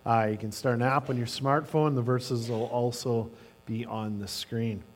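A man's voice: medium pitch, fairly even intonation, a little slow. A man preaching a sermon as the pastor, telling stories in a conversational way with some fillers.

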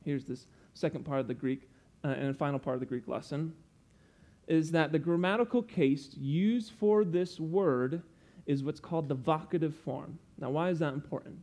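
A man's voice: fairly high pitch, normal speed, mellow. Earnest young man preaching a sermon. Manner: earnest, explanatory, teacherly asides.

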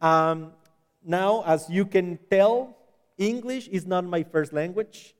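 High-voiced Spanish-accented preacher in a hall. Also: male voice, clean tone. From Nicaragua. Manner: halting, self-correcting second-language English. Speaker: visiting missionary preacher. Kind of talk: sermon with personal introduction. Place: church sanctuary. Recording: large hall with long reverb.

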